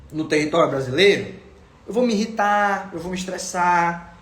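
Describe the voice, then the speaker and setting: A man's voice: high voice, echoey room. A Brazilian man hosting a football channel, giving insistent, opinionated commentary and repeating his points for emphasis. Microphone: home recording.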